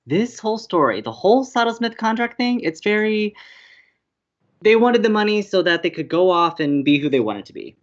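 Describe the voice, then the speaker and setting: Muffled, lively, romantic young college radio host played by a woman. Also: medium pitch, normal speed, close to an everyday voice. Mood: earnest, informative. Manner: effusive, earnest. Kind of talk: audio drama romantic comedy dialogue.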